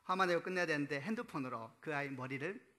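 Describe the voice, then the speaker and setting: A middle-aged male pastor delivers a sermon in a church, his voice bright and slightly higher than most men's. He talks to the congregation in an easy storytelling way, posing questions and laughing at his own anecdotes. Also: expressive, quick pace. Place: church sanctuary.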